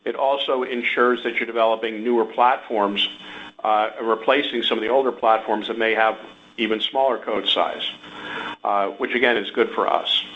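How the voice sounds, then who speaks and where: A man's voice: on the low side, fairly even intonation, normal speed. A man speaking as a company executive on an earnings call, explaining things to investors with examples. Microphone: conference call line. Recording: dull conference call audio with hum.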